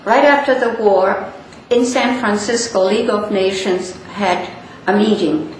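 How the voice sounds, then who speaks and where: An older woman from Poland with a Polish accent, telling stories and reflecting in an interview, halting and repeating phrases for emphasis. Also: mid-range voice, steady tone. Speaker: interviewee, speaker on Holocaust education. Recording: very echoey room, distant mic, light noise.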